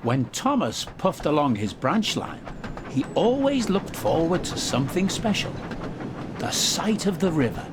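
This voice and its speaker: Guy reading a kids story, takes his time, lively up and down pitch, bit of noise behind. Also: unhurried. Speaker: storyteller, narrator. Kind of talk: scripted children's story narration.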